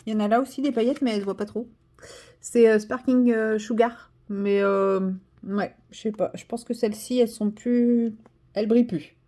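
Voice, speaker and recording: A woman's voice: a little high, fairly even intonation, normal speed, dark tone. A French woman chatting casually as she colors at her desk, self-mocking, sometimes dropping to a whisper, recorded by a camera on a tripod. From France. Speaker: vlogger. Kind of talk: casual vlog while coloring. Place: indoors at a desk.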